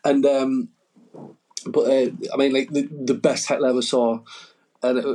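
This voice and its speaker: Husky-voiced man telling stories. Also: medium pitch, little pitch movement, moderate pace, warm tone. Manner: rambling, fillers, laughs at own stories. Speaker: stand-up comedian guest. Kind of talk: casual storytelling chat.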